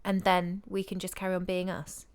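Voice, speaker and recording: A woman's voice: on the low side, completely flat delivery, fairly quick, clear, resonant tone. A young woman with a giggly, blunt, sassy manner, chatting casually as a podcast co-host. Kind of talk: casual chat.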